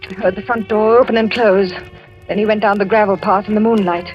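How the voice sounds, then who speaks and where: A young actress playing a frightened wife who narrates her story in a tense, hushed way, in 1940s radio acting. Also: mid-range voice, steady tone, brisk, natural voice. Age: young adult. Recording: lo-fi vintage radio with music.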